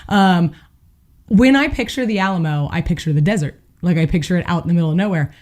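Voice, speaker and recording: A woman, co-hosting a podcast, her voice hoarse, telling stories in a chatty way with lots of fillers. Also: fairly low pitch, fast talker, a little mellow. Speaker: podcast co-host. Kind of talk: casual chat.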